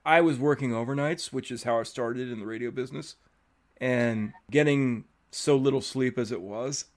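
Chatty man hosting a podcast. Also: mid-range voice. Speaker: podcast host. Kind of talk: casual interview chat.

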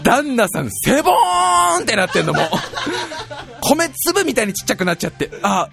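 A man's voice: very high-pitched, brisk, creaky, over loud music. A man hosting a podcast, telling a comic story in chat and acting out the people in it. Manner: animated, acts out voices of people in his stories. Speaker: podcast host. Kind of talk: casual comedic storytelling monologue.

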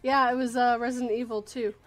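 Giggly woman with a higher voice. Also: little pitch movement. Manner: giggly, playful, quick to laugh. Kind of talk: casual chat.

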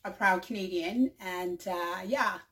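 A young Liberian woman living in Canada hosts her own vlog; she's also a singer. She talks to camera in a casual, upbeat way, repeating herself and leaning on lots of fillers, with a lowish, fairly bright voice at a measured pace.

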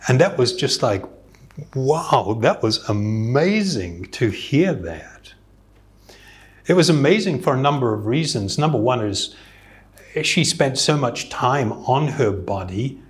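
A man's voice: mid-range voice, very animated, takes it slowly. A man who teaches yoga, giving an earnest, reflective spiritual talk and chuckling now and then.

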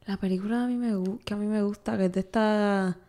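A woman's voice: medium pitch, steady tone, fairly quick, mellow. Woman, podcast co-host, chatty and casual, drops English words into her Spanish. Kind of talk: casual chat.

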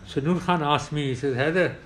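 An older man with a South Asian accent, a retired pilot recounting war memories in an interview in a halting, emphatic way. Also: medium pitch, echoey room. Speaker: retired air force pilot. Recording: clearly noisy background.

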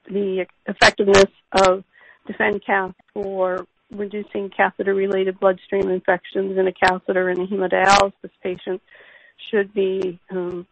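A woman company executive speaks in a careful, formal way, explaining things step by step on an earnings call. Her delivery is fairly even, and the conference line is dull with a clear hiss. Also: mid-range voice. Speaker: company executive answering analysts' questions. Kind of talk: earnings call question and answer.

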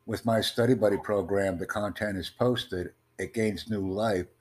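A man hosting an online voice chat, talking in a formal, measured, promotional way. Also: fairly low pitch, steady tone. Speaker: host of online conversation. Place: in the United States.

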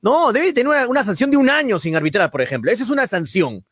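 Fast, animated Peruvian sports talker. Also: male voice, extremely high pitch, no room sound, clean studio sound. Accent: Peruvian Spanish. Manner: emphatic, indignant, repeats words. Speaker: sports talk co-host. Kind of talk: heated football commentary chat.

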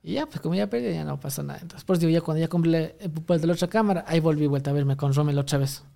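Fast-talking young man, gravelly. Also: a little high, warm tone. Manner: rambling storytelling with many restarts and fillers. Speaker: guest telling a story. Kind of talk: casual podcast chat.

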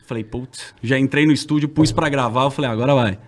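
A man's voice: mid-range voice, brisk. A man telling a story as a podcast guest, acting out phone calls in quoted voices. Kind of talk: casual storytelling.

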